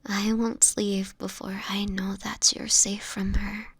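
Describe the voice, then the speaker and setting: A woman playing a sickly, gentle, anguished vampire in an intimate audio roleplay, speaking in a breathy, often whispered voice with tender, halting, formal phrasing. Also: mid-range voice, level tone, no room sound, full character voice. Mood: tender, soothing. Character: sickly homeless young female vampire, gentle, anguished, self-sacrificing.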